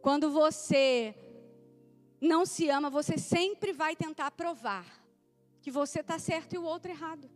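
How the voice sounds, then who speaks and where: A woman preaches a sermon in a high voice and talks straight to her listeners. She calls some of them by name and asks them to repeat her words. Soft music plays under her. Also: a little slow.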